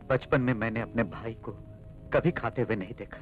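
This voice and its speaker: An actor playing a loyal younger brother in a dubbed film, earnest and emotional. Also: male voice, mid-range voice, lightly acted. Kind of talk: Hindi film dub. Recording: tinny dubbed audio with music.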